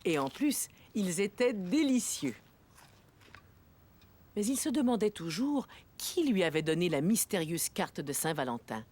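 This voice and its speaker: A woman playing the gentle narrator of a children's cartoon, telling the story simply and expressively. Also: lowish voice, sing-song, a little slow. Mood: lively, intrigued.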